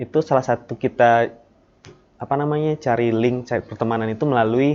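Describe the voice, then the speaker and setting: A man with a West Sumatran accent at a fairly quick pace, his intonation fairly even. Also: medium pitch for a man. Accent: West Sumatran (Minang) dialect. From West Sumatra, Padang Panjang. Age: 20s. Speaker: radio broadcaster, doctoral student. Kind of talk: talk show interview. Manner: hesitant, many fillers.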